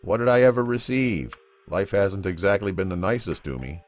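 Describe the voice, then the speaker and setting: A man plays a skeptical, grudge-holding patient in a comic audio drama. His deep voice is dry and sarcastic, with music behind it. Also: animated, moderate pace, no echo. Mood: puzzled, grudging. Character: grumpy, skeptical male patient nursing a grudge. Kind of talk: comedic audio sketch acting.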